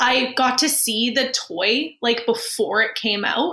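In a Canadian accent, a woman with a fairly high pitch uses a normal speaking voice with ordinary pitch variation. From Vancouver, Canada. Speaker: actress. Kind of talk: casual interview chat.

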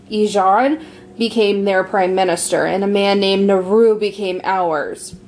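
Fairly slow speech from a woman at medium pitch, with noticeable background noise. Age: 20s. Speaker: podcast co-host. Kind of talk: casual chat.

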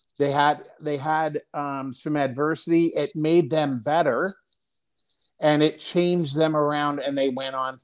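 Recorded very cleanly with a silent background, a man with a normal speaking voice talks fairly slowly at a fairly high pitch with fairly even intonation. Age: 50s. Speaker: podcast co-host and basketball coach. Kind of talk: casual chat.

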